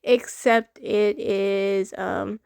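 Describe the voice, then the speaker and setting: A woman's voice: medium pitch, fairly even intonation, extremely slow, gravelly, a little mellow, clear, resonant tone, no echo, clean studio sound. A young woman chatting casually while she draws, rambling with many fillers and restarts. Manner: rambling, filler-heavy, self-correcting. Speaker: art vlogger. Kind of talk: casual chat while drawing.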